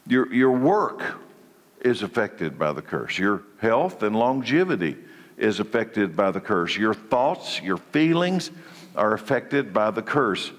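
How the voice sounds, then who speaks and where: A man's voice: on the low side, sing-song, takes it slowly, big-room sound. Congested man teaching a church class. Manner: conversational preaching with repeated restarts. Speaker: Bible study teacher.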